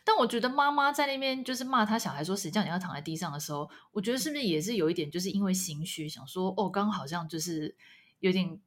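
A woman co-hosting a casual chat podcast, telling a story with lively delivery and acted-out quotes. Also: on the low side, fast talker. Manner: animated, acts out quoted voices. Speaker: podcast co-host.

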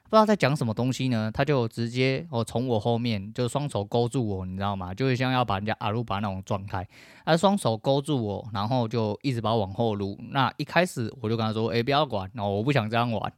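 Middle-aged taiwanese guy ranting on his podcast, talks fast, blunt and sweary, dry close sound. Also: medium pitch, no echo. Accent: Taiwanese Mandarin. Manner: blunt, profane and emphatic. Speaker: podcast host. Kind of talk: casual podcast rant.

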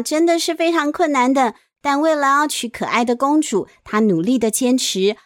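A woman's voice: a little high, dry recording, clean studio sound. A woman narrating a children's storybook in a chatty way, stopping to explain things. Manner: chatty, explanatory asides with sentence-final particles. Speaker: storyteller, host. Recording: faint music behind the voice.

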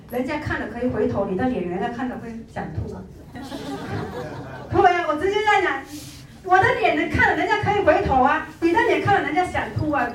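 High-pitched woman, sales trainer, animated storyteller, roomy echo, away from the mic. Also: recorded from a distance. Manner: animated storytelling, acts out quoted people. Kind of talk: lively sales training talk. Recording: echoey room, voice from off-mic.

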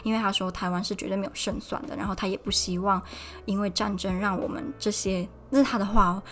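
Hosting her solo podcast from Poland, a young Taiwanese woman speaks quickly in a mid-range voice, chatting casually and acting out dialogue with lively quoted voices. A little hiss or hum can be heard.

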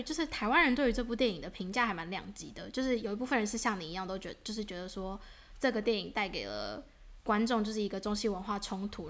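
A young woman from Taiwan co-hosting a podcast, talking casually and thoughtfully with hesitant restarts. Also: medium pitch. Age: young adult. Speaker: podcast co-host. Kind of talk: casual chat.

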